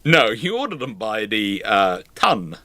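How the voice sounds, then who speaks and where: A man hosts a live, unscripted discussion. His voice is bright and moves animatedly up and down in pitch. He often halts and rewords his point mid-flow. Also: big pitch swings, a little slow. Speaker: host of a live question panel.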